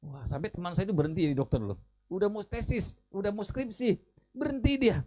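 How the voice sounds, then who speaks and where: A male pastor preaching, telling a lively personal story in a conversational way and often turning to address the congregation. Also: sits high, a little fast. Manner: animated storytelling with quoted dialogue; conversational, addresses listeners as brothers and sisters. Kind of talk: sermon.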